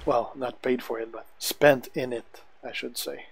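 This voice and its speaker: A man's voice: mid-range voice, a little slow, vocal fry, noisy background. Laid-back French-accented man streaming. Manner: relaxed, chatty, chuckles often, mild cursing. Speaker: gaming live streamer. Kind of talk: casual live-stream chat answering viewers.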